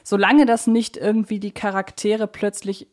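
A woman talks as a podcast co-host. She is chatty and explanatory, in the relaxed style of a fan discussion, often branching into small digressions. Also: mid-range voice, moderate pace.

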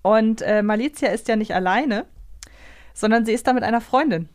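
A woman's voice: a little high, normal speed, darkish tone. A woman co-hosting a podcast, chatting casually about audio dramas. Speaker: podcast co-host.

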